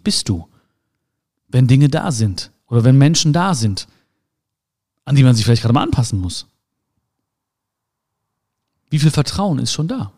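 A man's voice: mid-range voice, a little mellow. A man giving a motivational talk in an emphatic way, repeating his key phrases. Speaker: motivational speaker.

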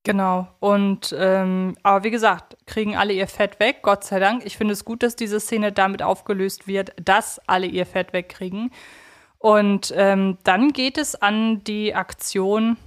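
A woman's voice: medium pitch, fairly even intonation, unhurried. A woman hosting a podcast, giving conversational commentary. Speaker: podcast host.

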